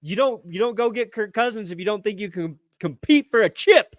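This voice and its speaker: A man with a notably high voice rants bluntly as a sports co-host. The sound is dry and close, and his talk is casual and profane. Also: expressive, fairly quick, no room sound.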